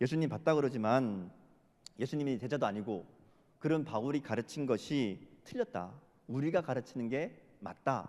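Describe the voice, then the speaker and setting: This man speaks at a moderate pace with lively intonation and a medium pitch. Long pauses come often. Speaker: pastor. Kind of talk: sermon.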